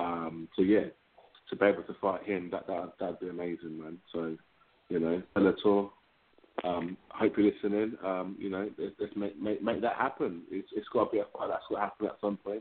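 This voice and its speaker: A man speaks at a moderate pace in an English accent. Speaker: MMA fighter. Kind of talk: interview. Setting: phone call. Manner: halting.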